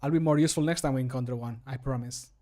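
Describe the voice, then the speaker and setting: A man's voice: mid-range voice, very fast, mellow, natural voice. A man voicing an earnest, wry and reassuring companion in a fantasy game, recorded close to a home microphone. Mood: reassuring, apologetic. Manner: earnest, punning, apologetic.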